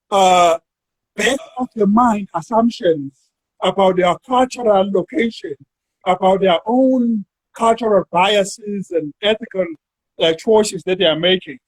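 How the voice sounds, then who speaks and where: A South African man, a university academic, talking through an academic discussion in a measured way and drawing words out while he thinks. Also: sits high, no echo, poor audio.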